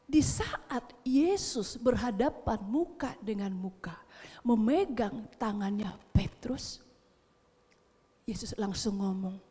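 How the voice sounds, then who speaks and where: A woman with an Indonesian accent preaching a sermon, who retells a story with dramatic cries and then drops to a soft, hushed voice. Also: a little high, animated, slow pace, breathy edge. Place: church sanctuary. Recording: long church hall reverb.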